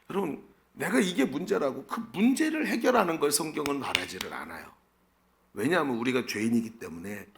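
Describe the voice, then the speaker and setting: A male pastor delivers a sermon with a bright, gravelly voice that swings widely in pitch. He keeps turning to the congregation with questions, then answers them himself in an animated way.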